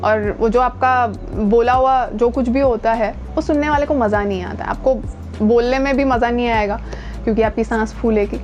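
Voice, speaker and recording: A woman's voice: fairly high pitch, normal speed, darkish tone, soft background music. A woman with an Indian accent giving a conversational lesson as a voice coach, mixing in English and leaning on key words. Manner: code-switches into English, stresses key words. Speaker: voice training coach and presenter. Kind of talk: instructional talk to camera, conversational.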